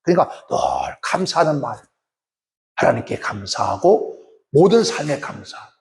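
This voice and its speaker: A male pastor preaching a sermon with animated, folksy storytelling. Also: fairly high pitch, moderate pace.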